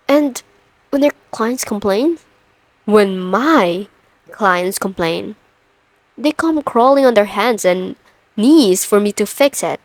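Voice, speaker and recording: A woman playing a stern, overworked chief executive in an ASMR roleplay, measured and commanding with dry sarcasm. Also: mid-range voice, a little mellow, no room sound, lightly acted, poor audio. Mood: exasperated, venting. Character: stern, overworked female CEO, pent-up and dryly menacing. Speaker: audio roleplay voice performer.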